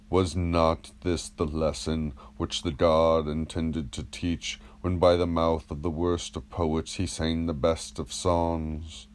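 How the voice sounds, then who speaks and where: A man reading the part of a probing, measured philosopher in an audiobook of a classical dialogue, teaching through rhetorical questions. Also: deep voice, darkish tone, clear, resonant tone.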